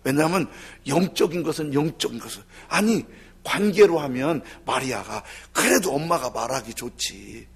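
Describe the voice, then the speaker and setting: A male pastor preaching a sermon with animated delivery that drops into soft, half-whispered asides. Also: on the high side, normal speed, husky.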